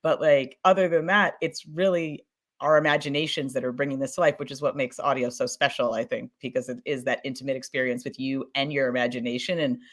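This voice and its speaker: A woman's voice: rumbling low, fairly even intonation, a little fast. A woman speaking informally and emphatically as a fiction podcast creator in a casual panel discussion, with an enthusiastic manner.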